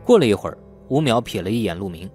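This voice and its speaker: A man's voice: fairly low pitch, very animated, quick pace, a little mellow, faint music behind. A man reading scripted novel narration as an audiobook narrator.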